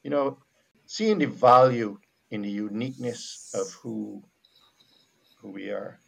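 A man from Barbados with a Bajan accent, speaking as a missionary guest in a casual faith conversation, reflective and halting with many restarts. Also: fairly low pitch, creaky, a bit bright, slightly rough, rough recording.

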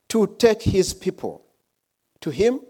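Mellow-voiced man preaching in short bursts. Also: sits high, big pitch swings, slightly rough. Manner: emphatic, preaching in brief bursts with pauses. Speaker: guest preacher, former missionary. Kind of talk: sermon delivered in short phrases for an interpreter.

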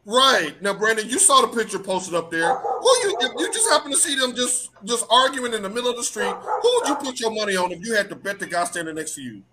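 A man hosting a casual sports talk show, animated and joking, sometimes dropping his voice low for comic effect. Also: fast talker, few pauses, heavy background noise. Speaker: host.

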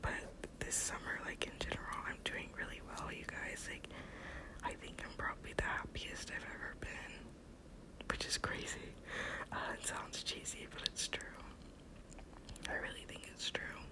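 A woman's voice: moderate pace, poor audio. Whispering young American woman. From Texas, United States. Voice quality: soft breathy whisper. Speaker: ASMR video creator. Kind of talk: whispered ASMR ramble, casual personal update.

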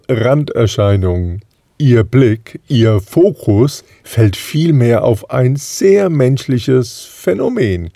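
Brief: male podcast host, warm and unhurried, dry studio sound. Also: medium pitch, creaky, dry recording. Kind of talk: scripted introduction.

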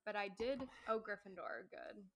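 A young woman co-hosting a podcast over a phone live stream. She talks casually, laughs easily and fills her sentences with "like", at a mid-range pitch. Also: moderate pace. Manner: chatty, laughing, full of "like". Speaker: podcast co-host.

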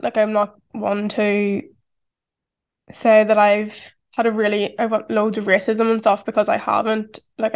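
Irish woman, twenties, casual podcast monologue, level steady delivery, lots of "like". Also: mid-range voice. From Ireland. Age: 20s. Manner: chatty, reflective, heavy use of "like". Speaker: podcast host.

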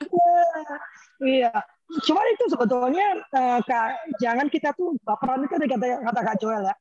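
A woman host with a high, husky voice, asking questions in a casual chat. She hesitates often with fillers, and her audio sounds dull and lo-fi. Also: normal speed, darkish tone, dry recording. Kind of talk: casual conversation.

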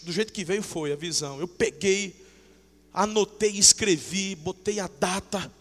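Fervent high-voiced male preacher, hall reverb. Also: unhurried. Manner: swings from shouted outbursts to low intimate talk; fervent and emotional, acts out dialogue. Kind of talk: sermon. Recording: long reverb of a large hall.

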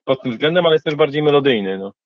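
A man's voice: on the high side, animated, fast, no room sound, narrow, tinny audio. A man, a rapper, answering interview questions in a reflective, colloquial way.

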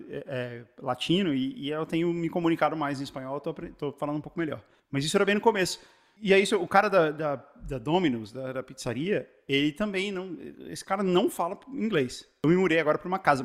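A Brazilian man with a Brazilian Portuguese accent talks through stories in relaxed conversation. He speaks very quickly, in a voice a bit higher than most men's. He restarts phrases often and stays animated throughout. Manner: animated storyteller, many restarts and fillers. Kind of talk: casual chat.

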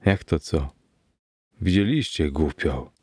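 A man voicing a frightened, worn-out young student who talks in a weary, shaken way, in a low, gravelly, slow voice. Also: expressive, darkish tone, no room sound, clean studio sound, heavily acted.

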